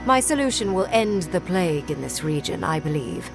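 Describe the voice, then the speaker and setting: An actress playing a coolly rational scholar in a video game, speaking in a clinical, formal, measured way. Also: female voice, fairly low pitch, big pitch swings, music in the background. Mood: matter-of-fact, hedging. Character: coolly rational female scholar weighing lives pragmatically.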